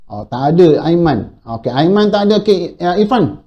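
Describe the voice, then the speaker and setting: A man's voice: fairly high pitch, very animated, normal speed, warm tone, lo-fi sound. A man with a Malaysian accent teaching a primary school class online, encouraging the pupils and often repeating his praise.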